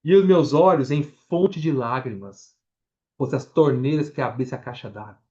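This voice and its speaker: A Brazilian man with a Brazilian Portuguese accent leads a Bible-study sermon, reading scripture verse by verse and explaining it as he goes, sometimes restarting words, while speaking directly to the congregation. His mid-range voice is warm and moderately paced, though the highs are cut off.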